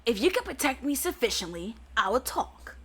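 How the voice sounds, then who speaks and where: A woman reading aloud the lines of a snobbish upper-class crew member from a game, in her own bright voice. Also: a little high, big pitch swings, normal speed, slightly rough, full character voice. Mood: smug.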